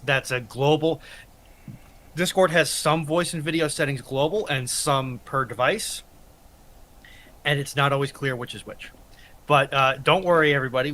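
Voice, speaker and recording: A man's voice: medium pitch, normal speed, sharp tone. A man chatting casually as a panellist on a live stream over a voice call. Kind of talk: casual chat. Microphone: computer voice call. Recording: clearly noisy voice call.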